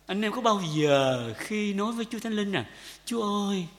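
Fervent, high-voiced preacher in an echoing church. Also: male voice, expressive, a little fast. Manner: swings between loud impassioned calls and quiet intimate asides; repeats phrases and asks the congregation questions. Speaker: pastor. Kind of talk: sermon. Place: church sanctuary. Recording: echoey hall with long reverb.

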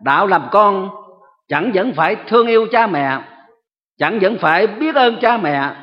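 Slow, emphatic man preaching. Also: sits high, lively intonation. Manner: slow, emphatic, addresses listeners repeatedly. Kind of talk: sermon. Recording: echoey hall, dull lo-fi sound.

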